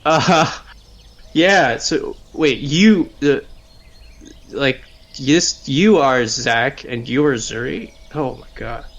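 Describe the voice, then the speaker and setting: A man with a mid-pitched voice improvises first-person narration in a tabletop roleplaying game. He talks slowly and haltingly, sounding bemused. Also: fairly bright tone. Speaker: player in a tabletop roleplaying podcast.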